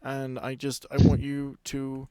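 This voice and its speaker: A man's voice: medium pitch, completely flat delivery, a little slow, dark tone, clear, resonant tone, pitched above the performer's own voice, lightly acted. A man voicing a timid fourteen-year-old boy in a tabletop game, hesitant and pleading. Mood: scared, pleading.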